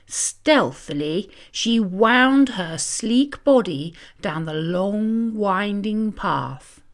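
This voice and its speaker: Slow, very expressive woman storyteller. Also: medium pitch. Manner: theatrical, expressive. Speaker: children's story narrator. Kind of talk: scripted storybook narration.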